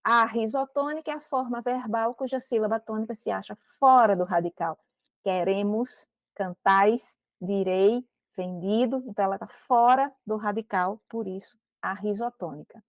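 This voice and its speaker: A woman's voice: mid-range voice, moderate pace, no room sound. A woman teacher with a Brazilian Portuguese accent, giving a recorded grammar lesson and explaining step by step, often checking with "né?" and "ok?".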